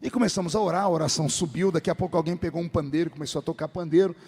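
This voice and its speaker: A male pastor telling a comic personal story in a sermon, animated and lively, in a large church hall. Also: fairly high pitch, rapid-fire, breathy edge. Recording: long hall reverb.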